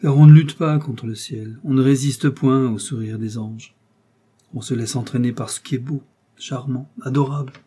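A man doing a smooth, scheming seducer in an audiobook, pouring out melancholy declarations in a warm, husky voice. He sounds pleading and impassioned, pushing his lines a little higher and louder than a plain reading. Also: fairly even intonation, moderate pace, lightly acted. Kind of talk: audiobook character voice.

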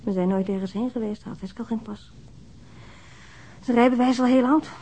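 An actress playing a guarded, halting, middle-aged widow in a naturalistic radio drama. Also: female voice, fairly high pitch, warm tone, natural voice, poor audio. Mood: halting, wistful. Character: guarded, widowed older housewife who minds children.

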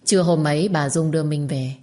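A woman narrating a dramatic story in a steady, even delivery. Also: low voice, brisk.

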